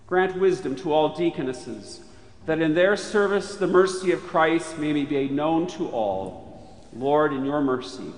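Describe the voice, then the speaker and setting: Guy leading a formal prayer, solemn and measured, voice a bit high, long church reverb. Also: animated, a little hiss or hum. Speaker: prayer leader at chapel. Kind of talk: formal spoken liturgical prayer. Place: large chapel. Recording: echoey chapel with long reverb.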